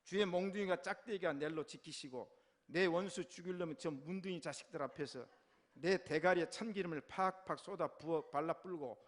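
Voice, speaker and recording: Man doing a brash folksy Gyeongsang guy, loud, fairly high, heavy Gyeongsang accent. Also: normal speed, close to an everyday voice. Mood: earnest. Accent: Gyeongsang dialect. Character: man from Gyeongsang reciting a psalm in blunt dialect.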